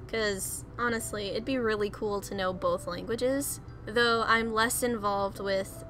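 A young woman hosting a let's play, rambling casually and laughing at herself as she clicks through game menus. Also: medium pitch. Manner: chatty, giggly, self-deprecating. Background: soft background music.

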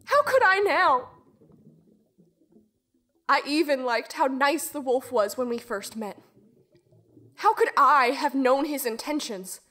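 A woman playing a young, bitter Little Red Riding Hood survivor in an audio drama, telling her ordeal with deliberate, intense emotion. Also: high-pitched, animated, bright, forceful tone, heavily acted. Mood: angry, anguished. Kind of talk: dramatic first-person audio drama monologue.

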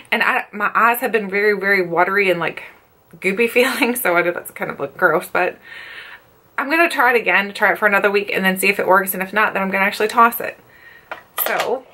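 A woman's voice: mid-range voice, fairly bright tone. A woman in her thirties giving a casual, chatty and candid product review to camera, recorded indoors in a bedroom. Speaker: beauty vlogger.

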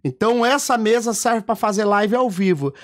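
A man's voice: sits high, lively intonation, normal speed. A man with a Brazilian accent casually demonstrating his streaming gadget, pointing out each step as he goes. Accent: Brazilian Portuguese. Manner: chatty, demonstrative, keeps pointing things out. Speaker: streamer and content creator. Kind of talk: casual tech demo.

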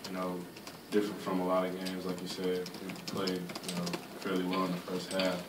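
Hesitant young man, low flat voice. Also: normal speed. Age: young adult. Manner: hesitant, many ums and uhs. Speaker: college basketball player. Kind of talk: postgame press conference answers. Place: arena press room. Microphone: table mic, far camera. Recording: echoey room, distant mic, loud noise.

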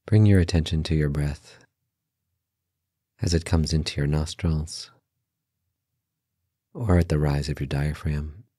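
A man leading a guided meditation as its instructor, speaking calmly in short phrases with unhurried pauses. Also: very deep voice, husky, dry recording, studio quality.

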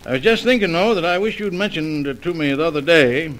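An actor playing a folksy, good-humored small-town doctor in an old-time radio soap opera, talking in plain colloquial speech. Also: male voice, on the high side, expressive, brisk, fairly bright tone. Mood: indignant, helpful. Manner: folksy, colloquial, chuckling drawl. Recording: noisy old radio recording.

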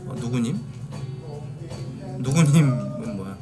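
A man's voice: medium pitch, expressive, slow pace, loud music behind the voice. A middle-aged man hosting a live stream, chatting casually from a desk in a small room. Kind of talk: casual livestream chat.

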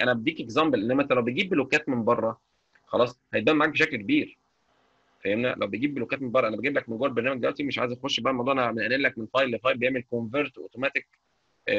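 A fast-talking Egyptian man with an Egyptian Arabic accent teaching software live, his voice gravelly and bright. He keeps stopping to check that his students follow. The dull, lo-fi mic takes some of the edge off. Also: medium pitch, no echo. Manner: chatty, checks understanding constantly. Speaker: software instructor. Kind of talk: live online lecture.

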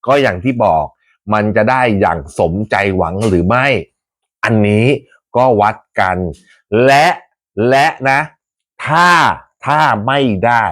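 Chatty, slangy Thai football fan host. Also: male voice, mid-range voice. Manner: chatty, animated, rough slang, laughs often. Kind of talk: casual football talk to viewers.

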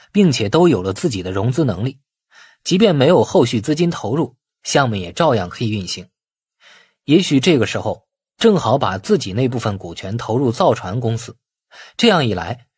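A male audiobook narrator with a lively, widely moving pitch and a husky edge to his voice. He reads scripted fiction with a storyteller's drama, recorded close and dry. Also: no room sound.

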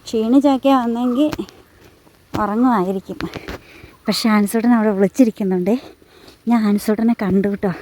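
Chatty high-voiced woman vlogging outdoors. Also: moderate pace, pauses often, darkish tone, a little hiss or hum. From Kerala. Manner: homely, chatty, teasing and affectionate with family. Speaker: vlogger and college lecturer. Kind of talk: chatty vlog narration.

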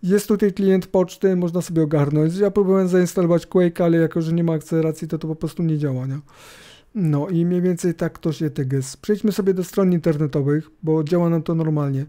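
A middle-aged tech review host comments on a screencast from his computer indoors, informal, rambling and hesitant, with tag questions. His voice is on the high side, steady, brisk and mellow, with a laptop fan hissing and humming behind him.

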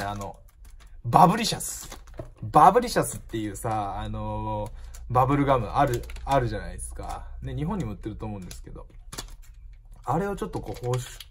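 A man's voice: mid-range voice, a little hiss or hum. A man chatting casually as he unboxes a gift parcel, musing aloud and reading out the labels as the shop owner and channel host.

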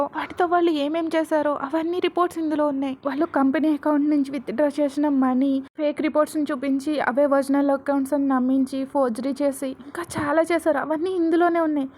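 A woman's voice: high voice, a little mellow, voice pushed up, natural voice. A woman voicing a fiery, emotional young heroine in a storybook serial, talking in an agitated, insistent way.

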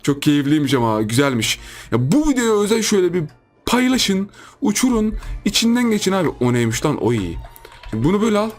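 Young man, excitable gameplay commentary, slightly high voice, faint music behind. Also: a little fast. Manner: excitable, joking, lots of exclamations and laughter. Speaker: gaming YouTuber.

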